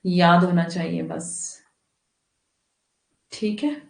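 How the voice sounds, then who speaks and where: A woman's voice: lowish voice, fairly even intonation, drawn-out words, vocal fry, reverberant. A woman teacher talking to her students in an online class, giving firm, instructive advice and addressing them fondly.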